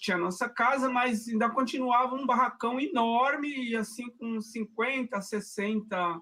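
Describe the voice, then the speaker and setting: A man speaks at an extremely high pitch in a raised, projected voice. His pace is fairly slow. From Brazil, Minas Gerais (Triângulo Mineiro). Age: 70s. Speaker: capoeira master. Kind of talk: interview, life story. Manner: halting, many false starts.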